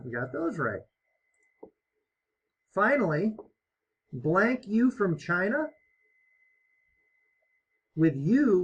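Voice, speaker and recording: A man teaching an online English lesson, explaining step by step in a slow, encouraging way. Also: on the high side, a bit bright, breathy edge, dull audio. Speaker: ESL teacher.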